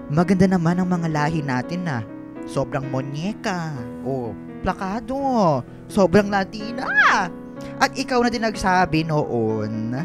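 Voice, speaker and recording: Campy, animated gay Filipino man. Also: medium pitch. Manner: campy, melodramatic, Taglish with girly slang. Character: excitable effeminate gay man, best friend and expectant father. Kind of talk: radio drama acting.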